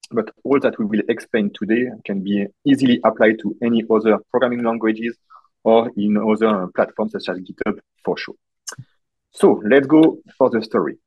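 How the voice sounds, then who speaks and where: A man from France with a French accent, presenting a conference tech talk over a video call, pausing often with fillers. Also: mid-range voice, husky, dry recording. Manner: hesitant, many uh fillers. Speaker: conference speaker. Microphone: video call webcam. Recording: dull dry lo-fi call audio.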